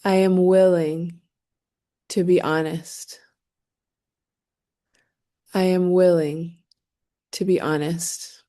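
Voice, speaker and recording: A woman leading a guided meditation, speaking gently and soothingly in short phrases with long, unhurried pauses. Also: fairly low pitch, level tone.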